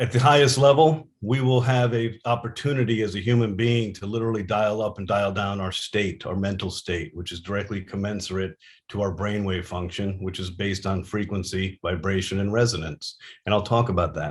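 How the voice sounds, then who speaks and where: A somewhat breathy man talks at a fairly quick pace and a fairly low pitch. His pitch varies in an ordinary way against a quiet background. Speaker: company executive presenting products. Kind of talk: product presentation. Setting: video recording, camera. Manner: fast when excited.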